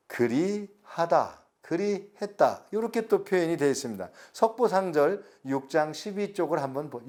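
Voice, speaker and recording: Man, middle-aged, lecturer, deliberate drawn-out delivery, animated pitch. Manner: slow, deliberate explanation with drawn-out words and pauses. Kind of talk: recorded online lecture.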